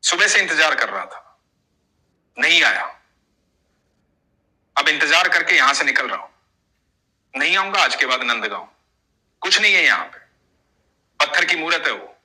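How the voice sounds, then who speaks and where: A man's voice: fairly high pitch, sing-song, unhurried, pauses often, pushed and bright, full character voice, rough recording. A man voicing an angry old male devotee who complains in a raised, agitated voice. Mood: bitter.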